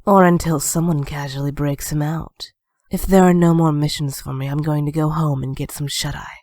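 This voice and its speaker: Female ninja, played by an actress: low voice, curt, unimpressed, close dry recording. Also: fairly even intonation, moderate pace, a little mellow, no room sound. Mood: bored. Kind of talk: amateur audio drama acting.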